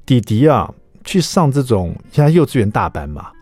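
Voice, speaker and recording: Man, middle-aged, radio host, chatty storyteller, mixes in English words, lively intonation, dry studio sound. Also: mid-range voice, normal speed, husky, no room sound, soft background music. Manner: chatty storyteller who drops English words into his speech. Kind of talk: casual radio chat, telling anecdotes.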